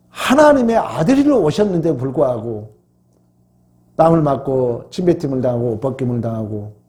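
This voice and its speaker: Emphatic Korean pastor with a lively pitch. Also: male voice. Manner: emphatic, swings from raised exclamations to hushed low phrases; drawn-out slow phrases at solemn points. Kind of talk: sermon at a midweek Bible study.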